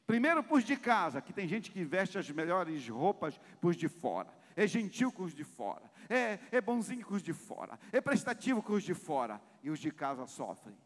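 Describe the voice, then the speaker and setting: A man preaching a sermon to his congregation at a family seminar, speaking with passion and often swelling in loudness. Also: high-pitched, big pitch swings, moderate pace, few pauses. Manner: addresses congregation directly. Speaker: pastor. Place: church hall. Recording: long church reverb.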